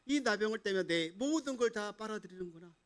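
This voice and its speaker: A man's voice: sits high, lively intonation, fast, fairly bright tone. A male pastor acting out a proud, hot-tempered army commander as a quote within his sermon. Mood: despairing. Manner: grumbling, then humbled.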